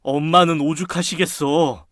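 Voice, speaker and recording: A man playing a protective older brother in a spoken story drama, scolding his sister in a sharp voice. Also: fairly high pitch, fairly even intonation, a little slow, no echo, clean studio sound.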